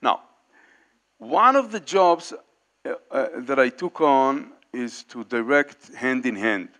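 Halting older man on a handheld mic. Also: mid-range voice, expressive, bright, forceful tone. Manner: halting, many fillers and restarts, gestures while talking. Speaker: panelist. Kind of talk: unscripted panel remarks. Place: large indoor meeting hall, panel table.

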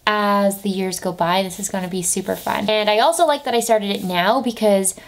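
A woman's voice: medium pitch, fairly quick. Chatty young woman vlogging at her desk. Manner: chatty, upbeat, lots of "like" fillers. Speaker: beauty vlogger. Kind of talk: casual monthly favourites chat. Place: bedroom with desk and lamp, indoors.

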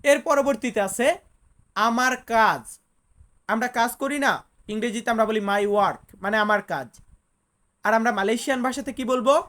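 This online language teacher, her voice on the high side, goes over every phrase slowly and repeatedly with patience so it can be drilled.

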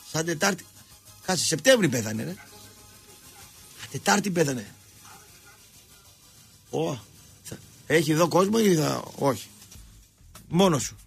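A man's voice: on the high side, gravelly, a bit bright, breathy edge. A man hosting a call-in radio show, talking with callers in an emphatic, preachy way.

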